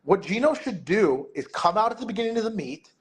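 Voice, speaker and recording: A man's voice: sits high, expressive, fairly quick. A man talking casually as a podcast guest, rambling with lots of filler words. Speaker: guest, meet director and MC.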